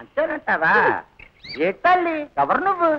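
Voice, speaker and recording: A nosy, mocking platform worker. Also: male voice, extremely high pitch, very animated, moderate pace, a little hiss or hum, full character voice. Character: nosy, joking male railway platform worker. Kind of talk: comic film acting. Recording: lo-fi old film soundtrack.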